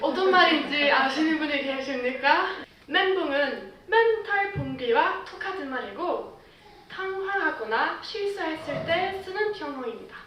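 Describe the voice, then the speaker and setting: Very wide pitch swings over noticeable background noise and audible room echo. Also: woman. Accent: non-native. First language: not Korean (speaking Korean). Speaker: speech contest contestant. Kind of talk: prepared speech.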